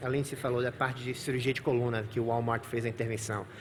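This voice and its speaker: A man's somewhat breathy voice. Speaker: neurologist and research professor. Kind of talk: conference lecture. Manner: fast.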